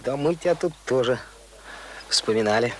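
An actor playing a sceptical but friendly young village lad in a radio play, speaking in blunt, colloquial questions. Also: male voice, mid-range voice, lively intonation, normal speed, a bit bright, lightly acted. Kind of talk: radio drama acting. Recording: noisy old radio play recording.

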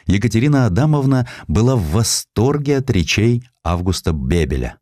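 Male audiobook narrator for historical prose: low register, lively intonation, measured storytelling, close dry sound. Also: no echo. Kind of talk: scripted literary narration of a historical sketch.

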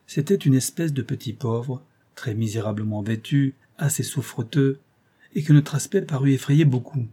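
Man with a mellow voice reading a novel. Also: mid-range voice, moderate pace, slightly rough. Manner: expressive reading, lifting his voice for quoted speech. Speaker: audiobook narrator. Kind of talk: scripted narration of a classic novel.

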